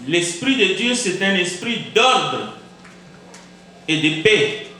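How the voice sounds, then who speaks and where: A man's voice: high voice, big pitch swings, pushed and bright, very echoey, recorded from a distance, a little hiss or hum, rough recording. A man preaching a sermon as pastor, with Kizimba as his first language, emphatic and repeating words for effect. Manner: emphatic, repeats words, rhetorical questions, deliberate pauses. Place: church sanctuary.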